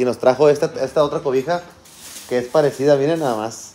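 Light background noise sits under the voice. The speech runs at a very fast pace with ordinary pitch variation. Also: man. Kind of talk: casual vlog chat. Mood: warm, grateful, cheerful. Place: home room. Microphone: phone near.

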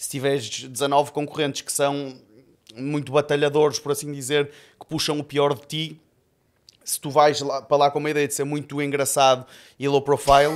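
With a quiet background, a man speaks at a moderate pace. His intonation is monotone and flat. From Portugal. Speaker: reality show winner; podcast guest. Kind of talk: casual interview chat. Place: studio. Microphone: studio mic.

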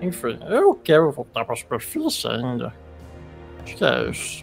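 A put-on character voice at a moderate pace over faint music in the background. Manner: defensive, embarrassed, rambling.

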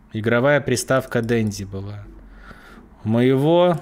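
A man at a very slow pace. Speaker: online course teacher. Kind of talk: lecture. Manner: slow, with pauses. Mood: animated storytelling. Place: office. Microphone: webcam.

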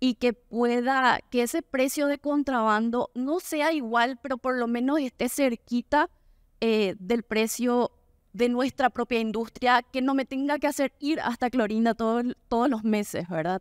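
At a fairly slow pace, a woman with a high voice speaks with very even loudness and ordinary pitch variation, her sound dry with no echo against a quiet background. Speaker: audience member. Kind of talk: audience question. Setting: stage with audience. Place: hall. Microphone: handheld.

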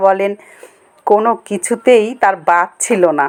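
This woman has a plain, everyday voice at a medium pitch. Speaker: vlogger. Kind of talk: vlog narration.

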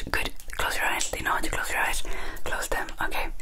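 A woman is whispering. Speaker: content creator. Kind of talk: role-play instructions to viewer. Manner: soft close-up ASMR voice. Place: home room.

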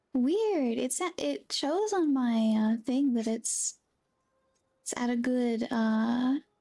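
Over faint background music, a woman talks quietly at a very slow pace, her high pitch carrying lively intonation. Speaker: vtuber streamer. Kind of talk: casual gaming livestream chat. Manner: halting, hesitant. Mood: mildly puzzled, low-key.

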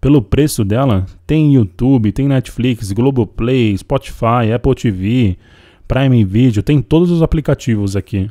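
With a Brazilian accent, a man talks in a dark, mellow tone and ordinary pitch variation against a quiet background. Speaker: live-stream product promoter. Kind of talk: sales pitch during a live stream, hyping a flash deal. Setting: live stream with chat. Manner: fast, excitable, repetitive hard-sell; enthusiastic, urging viewers to click the link. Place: home room. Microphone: studio mic.

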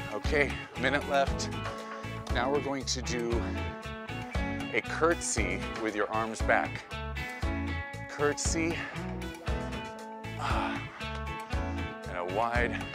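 A man talking at a very slow pace with long, frequent pauses, dry sound with no echo, and music in the background. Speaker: fitness instructor. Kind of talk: workout instruction. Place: home room. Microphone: lapel.

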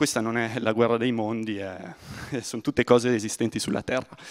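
Over a quiet background, the speaker keeps a moderate pace. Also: man. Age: 20s. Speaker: presenter. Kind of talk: pitch presentation. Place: hall. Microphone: handheld.

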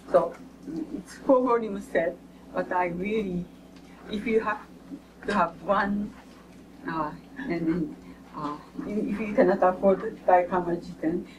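Over noticeable background noise, a woman with a Japanese accent speaks at a fairly slow pace with long, frequent pauses. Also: ordinary pitch variation. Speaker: university librarian. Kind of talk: lecture. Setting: stage with audience. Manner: halting. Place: classroom. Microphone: camera far.

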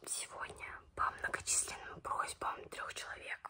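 Whispering, a woman goes at a very slow pace. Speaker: ASMR creator. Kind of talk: ASMR talk to camera. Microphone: phone near.

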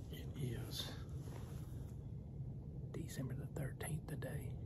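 A man talks over loud background noise. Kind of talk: casual vlog chat. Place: forest. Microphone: phone near.

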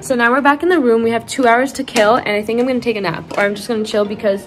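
A woman's high-pitched voice at a very fast pace over noticeable background noise. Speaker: vlogger. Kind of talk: casual vlog chat. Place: home room. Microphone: phone near.

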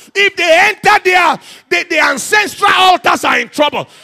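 A man speaks in a raised, projected voice with an animated tone. His pace is fairly slow, and the background is quiet. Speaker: preacher. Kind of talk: sermon. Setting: church. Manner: animated, loud, call-and-response preaching; urgent, declamatory, rhythmic repetition. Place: church. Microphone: handheld.

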